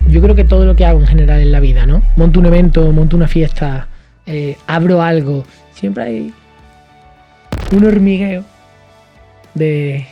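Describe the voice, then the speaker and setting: A man from Cádiz in his thirties, speaking as a podcast guest in a lively conversational way, with frequent fillers and restarts. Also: high-pitched, lo-fi sound. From southern Spain, Cádiz. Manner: animated storytelling with many fillers and restarts. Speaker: podcast guest, hospitality entrepreneur. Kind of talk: conversational interview.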